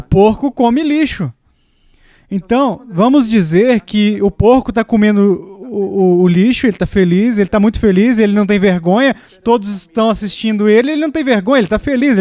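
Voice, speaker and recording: A man voicing a dubbed sermon, emphatic and deliberate, pausing often and repeating key words. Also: high voice, a little mellow, dry recording. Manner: emphatic, with deliberate pauses and repetition. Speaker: preacher's voice in a dub.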